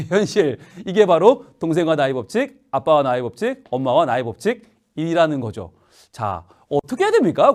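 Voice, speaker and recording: Animated male pastor preaching to children. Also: fairly high pitch. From Korea. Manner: playful, animated storytelling with questions to the audience. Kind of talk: children's sermon.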